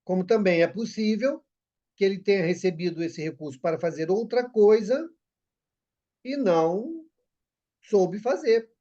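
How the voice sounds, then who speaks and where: A man's voice: high-pitched, animated, a little slow, long pauses, warm tone, lo-fi sound. A man coordinating a group study discussion, repeating his points for emphasis.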